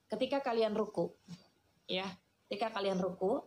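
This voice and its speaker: A woman, giving a lively, chatty sermon and answering questions from the audience. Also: medium pitch, moderate pace, slight background noise. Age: 40s. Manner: chatty, teasing, addresses listeners as "Kak". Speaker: Islamic preacher.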